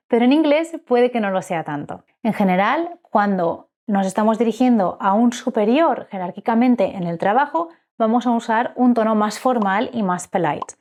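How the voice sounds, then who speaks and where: A woman teaching business English in an online lesson, slowly modelling phrases for learners. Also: mid-range voice, a little mellow.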